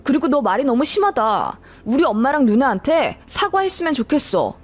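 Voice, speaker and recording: A woman's voice: high voice, big pitch swings, fairly quick. A woman voicing a defensive young male fiancé who blusters and pushes in a storytelling radio reading.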